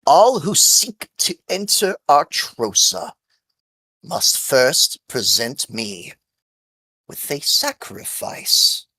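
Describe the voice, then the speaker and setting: Male game master as talking tree, ancient female guardian, menacing, bloodthirsty, slow and solemn, husky, tabletop fantasy. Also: on the high side, big pitch swings, pushed and bright, dry recording, pitched above the performer's own voice, full character voice, rough recording. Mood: solemn, demanding.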